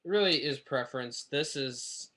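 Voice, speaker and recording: A man's voice: medium pitch, normal speed, sharp tone. A man chatting casually in a rambling, self-deprecating way while reviewing a toy on his webcam at home. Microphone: webcam mic.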